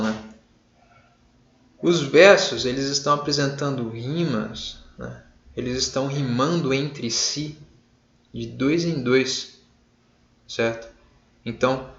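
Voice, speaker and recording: A man with a Brazilian accent teaching an online literature class in a casual way, full of fillers and check-ins, with some jokey shouted examples. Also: mid-range voice. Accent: Brazilian Portuguese. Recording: roomy, dull lo-fi sound.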